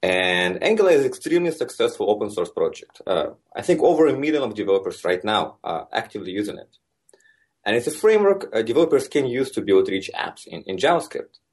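A man in his thirties from Russia with a Russian accent, a software engineer explaining his work as a guest in a conversational interview, relaxed and full of fillers. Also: lowish voice, a little fast, slightly rough. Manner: relaxed and explanatory, many fillers like "like" and "you know".

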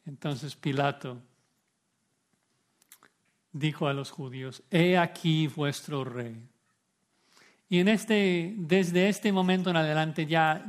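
A male pastor delivers an expository sermon in a voice pitched a little higher than most men's. He preaches with emphasis, stacking repeated words and throwing out rhetorical questions to the congregation.

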